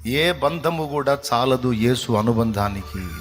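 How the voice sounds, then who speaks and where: A man preaching a sermon emphatically, swinging between loud cries and hushed intensity. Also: medium pitch, lively intonation, measured pace, faint music behind.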